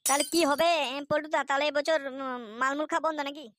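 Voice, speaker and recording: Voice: sits high, flat delivery, quick pace, a bit bright, no echo, studio quality. An actor voicing a carefree, boastful, boozy layabout father in a comic cartoon, with a West Bengal accent and slangy, cajoling banter. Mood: excusing.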